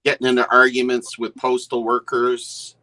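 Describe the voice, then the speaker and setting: A man's voice: mid-range voice, monotone, moderate pace, bright, forceful tone. A man in his sixties hosting a live stream, who reads out viewer comments and teases his co-host with dry jokes. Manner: teasing, dry jokes, hesitant restarts. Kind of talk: casual chat.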